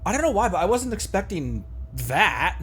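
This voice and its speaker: A man's voice: high voice, very animated, normal speed, fairly bright tone, slightly rough. A man giving casual live commentary as he streams a video game. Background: game music.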